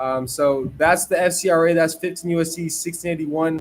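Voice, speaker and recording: A man with a fairly high pitch talks in a monotone, flat intonation. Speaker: credit repair educator. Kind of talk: livestream tutorial. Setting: livestream. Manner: fast; casual, filler-heavy.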